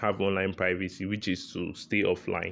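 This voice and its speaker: A man with a fairly low pitch at a moderate pace. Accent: strong Nigerian. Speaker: cybersecurity YouTuber. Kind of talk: unscripted talk to camera. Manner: careful enunciation.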